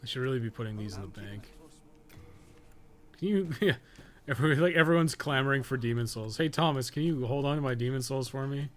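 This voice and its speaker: A man's voice: mid-range voice, a little fast, fairly bright tone. A man doing casual live gameplay commentary as a streamer, sweary and sarcastic, often muttering to himself. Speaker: game streamer, podcast co-host.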